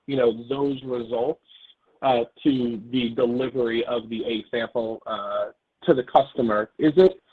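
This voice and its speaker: A male analyst asks a question on an earnings call in a mid-pitched voice. He hesitates and pads his sentences with you-knows, heard over a narrow phone line. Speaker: analyst calling in.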